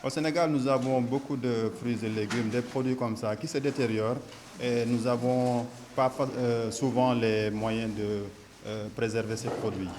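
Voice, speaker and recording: A man interpreting a speaker's words live, pausing and hesitating often. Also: medium pitch, fairly even intonation, darkish tone, a little hiss or hum. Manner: hesitant, many fillers.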